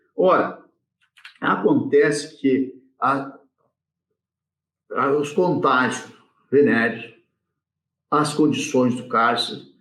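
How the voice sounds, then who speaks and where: Talking at a very slow pace with long, frequent pauses, a man uses a fairly high pitch and ordinary pitch variation, with audible room echo. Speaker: law professor. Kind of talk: webinar panel discussion.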